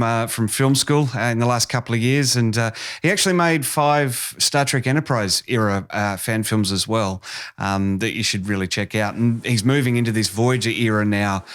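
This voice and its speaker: A man's voice: mid-range voice, a bit bright, clean tone. A man hosting a podcast interview in a casual, chatty style.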